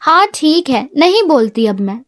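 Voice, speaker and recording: A woman voicing a lively, stubborn young woman who talks back in a cheeky, mock-innocent way. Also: high voice.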